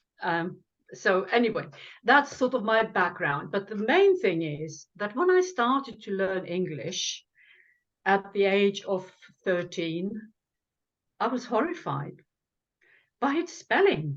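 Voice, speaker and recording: A woman with a Lithuanian accent at a very slow pace, medium in pitch, with very wide pitch swings and long, frequent pauses. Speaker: former English teacher and spelling author. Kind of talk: interview talk.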